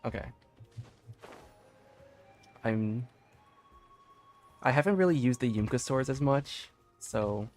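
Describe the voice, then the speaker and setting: A man's voice: mid-range voice, expressive, slow, long pauses, a little mellow. A man streaming a game, chatting casually and thinking aloud in a loose, rambling way. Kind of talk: casual livestream gameplay chat. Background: faint game music.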